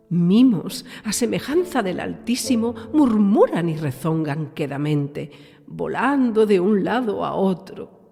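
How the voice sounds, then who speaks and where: A woman playing a dying, visionary woman who recites dark, anguished verse theatrically in an audio horror story. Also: medium pitch, breathy edge, heavily acted. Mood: solemn, mournful. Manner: theatrical, intense declamation. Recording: long reverb, music underneath. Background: music.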